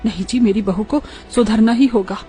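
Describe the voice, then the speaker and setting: A woman plays a strict traditional mother-in-law in an animated story. She speaks in a firm, scolding tone at a slightly raised pitch. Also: normal speed, soft background music, close to an everyday voice. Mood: stern scolding. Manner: scolding, stern.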